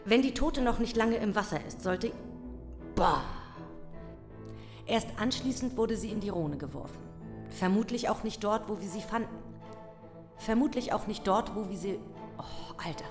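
A woman's voice: medium pitch, moderate pace, long pauses. A woman rehearsing scripted drama lines in outtakes, slipping and breaking off. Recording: long reverb, music over it.

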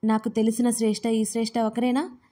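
A woman voicing a calm, protective young man. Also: a little high, fairly quick, lightly acted. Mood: soothing. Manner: gentle, reassuring.

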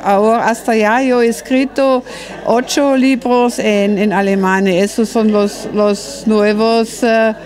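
A woman in her sixties with a German accent talks slowly in an interview, her voice pitched a bit high. She halts often, hunting for words and restarting phrases. She speaks into a handheld mic in a restaurant dining room. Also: steady tone, darkish tone. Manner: halting, searching for words, frequent restarts. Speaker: author. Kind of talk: interview at a book presentation.

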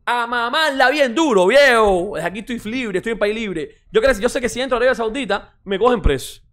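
A man's voice: high-pitched, animated, fast talker, a bit bright. A man giving casual mocking football reaction commentary as a streamer, repeating exclamations, swearing and ranting.

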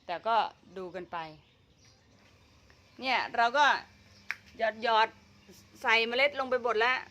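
A woman's voice: a little high, a little slow, a bit bright, slight background noise. A woman vlogging about her home vegetable garden, chatting casually and talking to herself as she works. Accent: Thai. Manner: chatty, talks to herself while working, frequent fillers and laughs. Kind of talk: casual gardening vlog narration.

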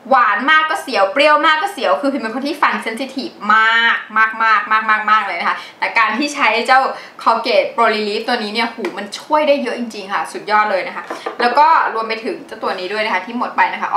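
A middle-aged woman chatting casually as she reviews used-up beauty and household products, animated and quick to laugh. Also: on the high side, echoey room, a little hiss or hum. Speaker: beauty vlogger.

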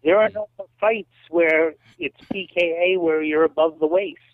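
A man in his late fifties, a guest in a casual interview, telling animated stories and often saying "you know". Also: on the high side, moderate pace. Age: 50s. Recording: tinny dry phone line.

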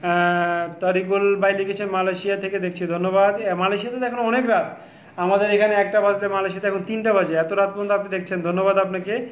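A tired man hosting a late-night live stream from a clothing showroom, reading out viewer comments with many pauses. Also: sits high, fairly even intonation. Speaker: shop host on a live stream. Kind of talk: casual live-stream chat. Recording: echoey, dull phone audio.

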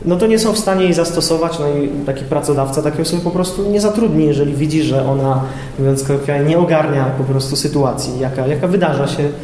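A young man giving an informal lecture to high school students in a classroom, hesitating often with filler sounds as he explains. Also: quick pace, dark tone. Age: young adult. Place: classroom with projector screen, indoors. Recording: echoey room with long reverb, faint noise.

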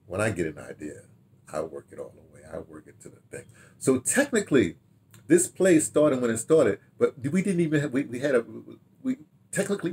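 An older man telling stories casually to camera in an animated, rambling way, repeating himself and trailing into asides. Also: mid-range voice, slight background noise. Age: older, 60s or 70s. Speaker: radio drama director reminiscing. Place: small home study, indoors.

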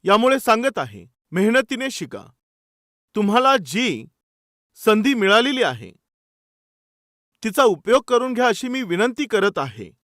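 A man's voice: high voice, very animated, a little slow, long pauses, fairly bright tone, no room sound, clean studio sound. A male pastor preaching a sermon, asking the congregation rhetorical questions and reading out scripture verses. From India.

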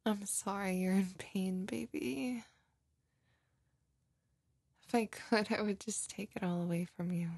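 A woman's voice: medium pitch, measured pace, long pauses, darkish tone, no echo. A woman playing a doting, lovey girlfriend in an intimate, cooing roleplay ASMR, tenderly comforting and gushing over her partner up close. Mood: tender, soothing. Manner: cooing, gushing, breathy, often giggling. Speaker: roleplay audio performer.

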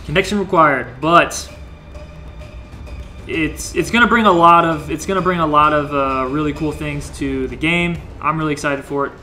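Bright, chatty young male game streamer. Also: a little high, normal speed, faint music behind. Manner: chatty, joking, greets viewers while playing. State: slightly hoarse, losing his voice. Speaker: livestream game host. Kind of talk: casual gameplay livestream commentary.

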